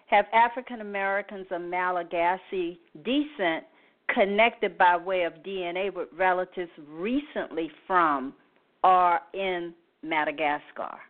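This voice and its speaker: A woman's voice: fairly low pitch, a little slow. A woman joining as a webinar co-presenter, asking direct questions over a video call. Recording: tinny phone-like online call audio.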